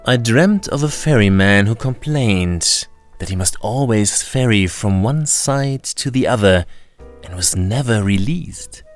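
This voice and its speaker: Man voicing a shrewd old grandmother, storybook, hushed and coaxing, low voice. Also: expressive, measured pace, faint music behind.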